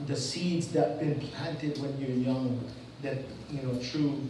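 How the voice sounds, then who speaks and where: A man talks amid light background noise while the room's echo is audible. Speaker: pastor. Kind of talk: sermon. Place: church. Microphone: camera far.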